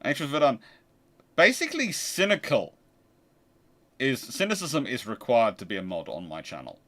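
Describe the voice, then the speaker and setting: His voice is mid-range and a bit bright, swinging widely in pitch at a normal speed. This man hosts a casual, chatty livestream, fielding viewer questions and frequently repeating words as he restarts phrases.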